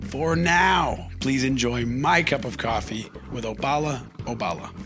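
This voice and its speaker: A man's voice: mid-range voice, measured pace. A man hosting a podcast, reading a scripted introduction and making an earnest, direct appeal to his listeners. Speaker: podcast host. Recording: voice over music bed.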